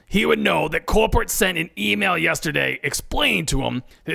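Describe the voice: Simply plain reading aloud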